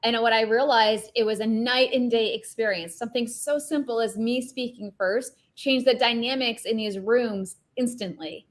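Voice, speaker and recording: A woman film director with a light, higher-pitched voice, speaking earnestly and reflectively as an interview guest. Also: moderate pace, hardly any pauses. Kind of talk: conversational interview.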